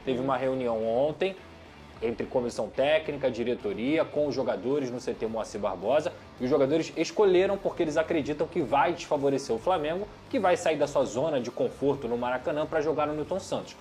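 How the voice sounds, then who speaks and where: A man with a Brazilian Portuguese accent giving an animated, opinionated football analysis in a studio sports debate. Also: medium pitch, fairly quick, soft background music. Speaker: sports commentator.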